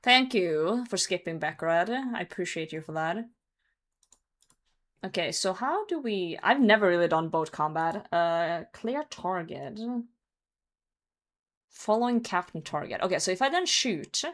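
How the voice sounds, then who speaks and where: A hungover young woman streaming games chats casually with her viewers, commenting on gameplay and swearing now and then. Her voice is on the low side with lively intonation, and she speaks a little slowly.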